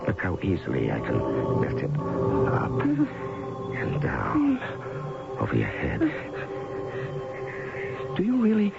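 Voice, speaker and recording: An American actor playing a vengeful escaped convict husband in a radio mystery drama, taunting with slow mock tenderness in a gravelly voice. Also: male voice, sits low, wildly swooping pitch, over loud music, exaggerated voice. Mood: sadistic, threatening. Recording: muffled, noisy old radio broadcast recording.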